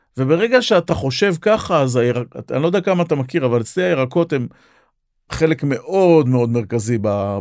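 Fairly high male voice with very wide pitch swings and a moderate pace, on a very clean recording with a silent background. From northern Israel (Nahariya, Galilee). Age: 50s. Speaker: chef. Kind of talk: interview.

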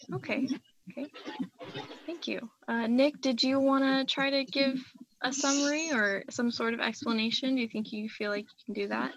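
A woman speaks in a high voice at a moderate pace, her loudness swinging widely. Long pauses come often, over noticeable background noise. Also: ordinary pitch variation. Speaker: podcast host. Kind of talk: casual interview podcast.

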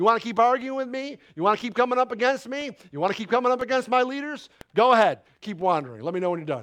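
A loud, animated man at an extremely high pitch, with lively intonation and a very fast pace. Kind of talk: sermon.

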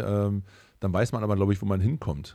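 Words pour out very fast from a man whose voice sits fairly low. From Brandenburg, Germany. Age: 40s. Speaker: home cinema business owner. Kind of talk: casual chat. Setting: studio.

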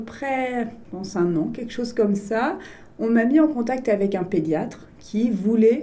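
In a Parisian accent, a woman speaks at a fairly high pitch and moderate pace, with ordinary pitch variation and a dark, mellow tone. Audible room echo surrounds her voice. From France, Paris. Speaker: health services executive. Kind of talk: interview.

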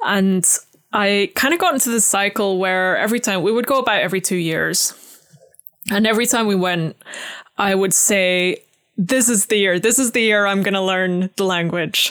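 A woman with a Scottish accent speaks at a moderate pace in a medium pitch, with ordinary pitch variation and very even loudness, on a very clean recording with a silent background. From Scotland. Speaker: travel journalist and singer-songwriter. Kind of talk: interview. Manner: hesitant, many fillers.

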